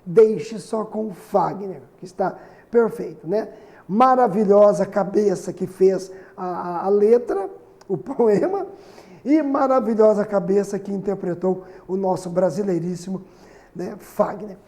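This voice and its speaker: A man's voice: high voice, unhurried, mellow. A middle-aged man from Brazil teaching a recorded grammar lesson, chatty, often checking in with the class as he writes on the board. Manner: chatty, constantly asking "né?" and "certinho?"; writes on the board while explaining.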